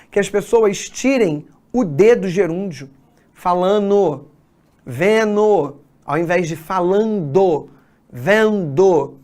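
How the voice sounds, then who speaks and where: A woman teacher explaining grammar at a whiteboard, often checking in with her students. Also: medium pitch. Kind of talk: exam-prep grammar lesson.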